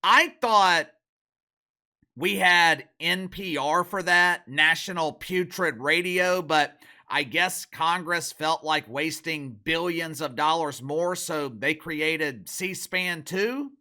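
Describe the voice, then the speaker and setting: A man's voice: a little high, slow, bright, forceful tone. A man, middle-aged, hosting online commentary in a sarcastic, mocking, emphatic manner. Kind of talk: opinionated commentary to camera.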